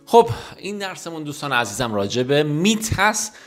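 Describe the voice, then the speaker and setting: Man, English teacher, fast explanations, slow careful repeats, lively pitch, faint guitar music. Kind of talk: language lesson. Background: soft guitar music.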